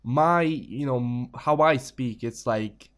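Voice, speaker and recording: A man's voice: mid-range voice, takes it slowly. A young man with an Eastern European accent, English not his first language, hosting a casual gaming podcast and laughing often. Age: young adult. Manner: laughs often, acts out little voices. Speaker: podcast host. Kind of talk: casual chat.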